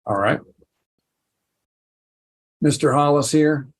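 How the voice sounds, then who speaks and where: A man's voice: on the high side, slow. A man speaking as a judge in a courtroom recording, running a hearing with short procedural questions and prompts. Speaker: judge presiding over a hearing.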